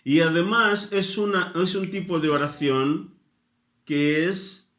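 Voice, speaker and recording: Slow, deliberate preacher in an echoey room. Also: male voice, a little high, a bit bright. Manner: slow, deliberate, pausing after short phrases. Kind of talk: sermon teaching.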